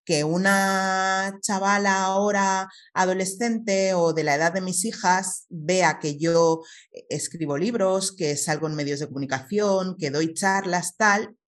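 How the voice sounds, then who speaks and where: A woman's voice: on the low side, slow. A middle-aged woman from Spain, a guest in an interview, explaining her views earnestly at length and often checking in with tag questions. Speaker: guest, writer and activist. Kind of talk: conversational interview answers.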